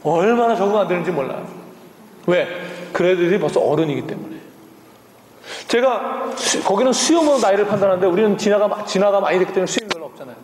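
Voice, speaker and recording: Man in his fifties, missionary sermon, humorous storytelling, high voice, roomy church echo. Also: animated, fast talker, a little mellow, slight background noise. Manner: humorous, acts out voices in quotes. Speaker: missionary preacher. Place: church sanctuary. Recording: echoey church hall.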